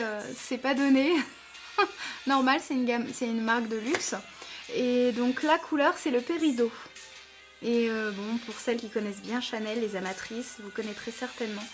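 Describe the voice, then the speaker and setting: High-voiced chatty French woman vlogger. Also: steady tone, moderate pace, music in the background. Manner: enthusiastic, chatty, many fillers. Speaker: beauty vlogger. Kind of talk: casual product review.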